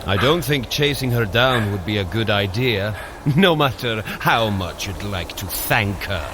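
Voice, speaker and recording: Big hearty norse god brother, deep and swingy, archaic talk, loud outdoor noise behind. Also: male voice, lively intonation, a little slow. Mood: friendly, firm. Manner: earnest, formal, theatrical. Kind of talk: audio drama acting, archaic formal speech. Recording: clearly noisy outdoor ambience behind.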